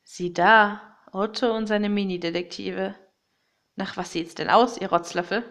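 A woman's voice: medium pitch, steady tone, unhurried, fairly bright tone. A woman voicing a menacing male sorcerer villain in a children's audio story, taunting and gloating. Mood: sneering.

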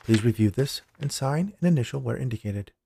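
A man's voice: mid-range voice, lively intonation, a little fast, creaky, dark tone, slight background noise. A man voicing a cool, officious female corporate lawyer in audio fiction, formal, businesslike and unbending. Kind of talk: audio fiction character dialogue.

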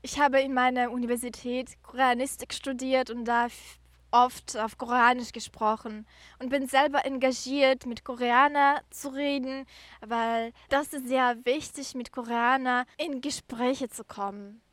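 Female podcast guest, high voice, halting delivery, dry close recording. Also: fairly even intonation, dry recording. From Ukraine. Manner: halting, careful non-native phrasing. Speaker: podcast guest, career mentoring volunteer. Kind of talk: interview answers.

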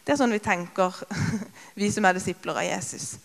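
A woman in her thirties giving a conversational sermon with personal stories, with many filler sounds, and lively when she retells scenes. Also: mid-range voice, gravelly. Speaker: preacher. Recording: long reverb of a large hall.

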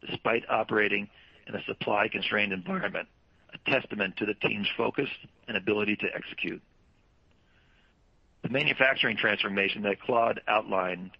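A man presenting as a company executive, reading prepared earnings call remarks in a formal, measured way. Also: on the low side, gravelly, breathy edge, no echo, muffled recording. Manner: formal, measured read-out delivery.

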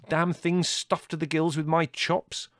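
A man's voice: mid-range voice, big pitch swings, moderate pace, no echo, clean studio sound, pitched above the performer's own voice, natural voice. A man voicing an irascible young older brother in an audiobook, biting, sarcastic and theatrically indignant. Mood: incredulous. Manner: biting, withering, exaggerated indignation. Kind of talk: audiobook character dialogue.

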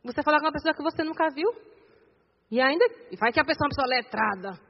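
High-voiced woman, Bahian accent, lively church testimony, dull sound, long hall reverb. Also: racing. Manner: animated storytelling, acting out dialogue. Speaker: preacher. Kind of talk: sermon testimony.

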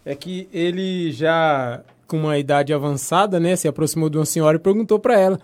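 A man's voice: a little high, a little fast. A man co-hosting a talk show, retelling an anecdote in a hesitant, casual way. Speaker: co-host. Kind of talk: casual chat.

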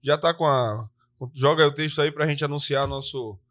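Lively man co-hosting a live podcast. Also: on the high side, moderate pace. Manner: lively, talkative, often tags "né?". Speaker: co-host, police soldier.

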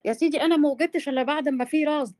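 A woman's voice: sits high, racing, a little mellow, no room sound, clean studio sound. A woman in her forties with an Egyptian accent in an informal live debate, insisting on being allowed to finish her points. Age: 40s.

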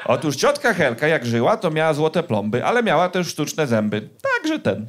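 A man's voice: on the high side, wildly swooping pitch, normal speed, a crowd in the background. A male comedian voicing an older mother who talks in a breezy, matter-of-fact way, in a noisy live recording. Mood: nonchalant. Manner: breezy, nonchalant.

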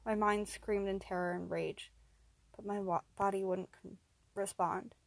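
A woman narrating a first-person horror story, steady and even, rising in tense moments. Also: mid-range voice, a little slow, vocal fry, no room sound.

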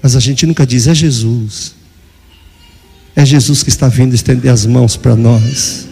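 A man's voice: medium pitch, steady tone, moderate pace, creaky, slightly rough, soft background music. Older preacher man in an echoey hall. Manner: dramatic preaching, acting out voices and shouting. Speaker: pastor. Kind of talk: sermon.

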